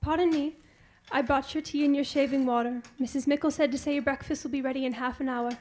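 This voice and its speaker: A young, grief-stricken servant girl, acted by a woman for radio theatre. The voice is high and mournful, over background noise with clicks. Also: steady tone, fast, a little mellow, close to an everyday voice. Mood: despairing.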